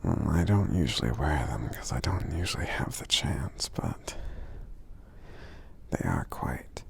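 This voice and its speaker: A man playing a friendly, gentle giant in an ASMR roleplay, speaking softly and hesitantly in a breathy, gravelly voice that often nears a whisper, with murmured hums between phrases. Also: rumbling low, animated, unhurried, full character voice. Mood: kind, curious.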